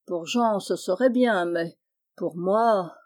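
A woman's voice: medium pitch, slow, a little mellow. A woman voicing a boastful, scheming young man in a storybook reading, smug and offhand.

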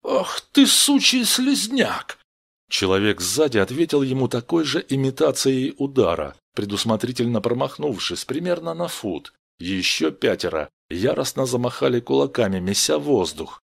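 A man reading a story aloud with expressive narration. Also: mid-range voice, normal speed, vocal fry, hardly any pauses. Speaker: audiobook narrator.

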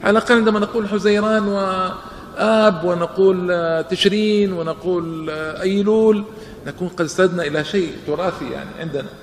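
A man's voice: sits high, steady tone, quick pace. A man giving a public lecture and answering questions, emphatic, with rhetorical questions and repetition for stress. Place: lecture hall. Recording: lecture hall with echo and faint noise.

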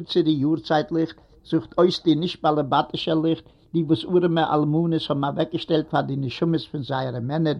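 A man narrates a literary story in a steady, even storytelling manner. His voice sits slightly high, and the recording is muffled and lo-fi. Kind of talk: literary reading aloud. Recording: dull lo-fi recording.

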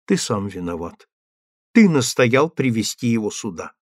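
A man voicing a calm, indifferent woman who speaks in a low, muted, flat tone. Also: measured pace, dry recording, clean studio sound. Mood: cold. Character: cold, calm woman leaving her husband. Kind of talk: audiobook character reading.

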